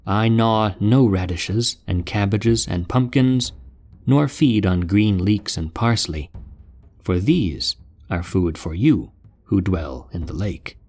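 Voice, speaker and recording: A man's voice: lowish voice, lively intonation, slow pace, darkish tone, soft background music, exaggerated voice. A man voicing a doomed male mouse in a storybook epic, speaking with solemn gravity. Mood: fearful. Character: doomed male mouse, fearful then defiant.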